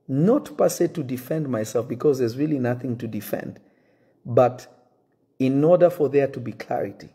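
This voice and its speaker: A man in his thirties, a native French speaker talking in English, addressing his congregation to camera from an indoor room, earnest and measured, often restarting to choose his words. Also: mid-range voice, warm tone, slightly rough. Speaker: pastor. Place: indoor room with wooden shelves.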